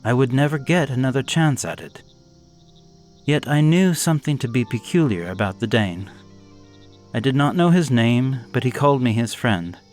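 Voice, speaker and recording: A man narrating a gothic horror story in a measured, expressive reading. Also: mid-range voice, soft background music.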